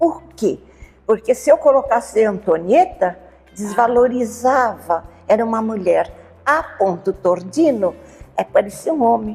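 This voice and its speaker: A woman speaks at a fairly slow pace in a fairly high pitch with lively intonation. Music plays in the background. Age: 80s+. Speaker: artist and ceramist. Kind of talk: interview.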